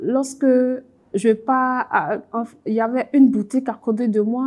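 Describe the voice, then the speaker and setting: A woman with a dark, mellow tone speaks at a very slow pace with fairly even intonation. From Ivory Coast. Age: 20s. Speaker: migrant mother. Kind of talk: testimony.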